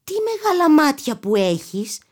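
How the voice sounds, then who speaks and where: A woman voicing a sweet little girl in a red hood in a storybook reading, her tone high, eager and pleading. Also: sing-song. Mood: wary. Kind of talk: storybook character voice.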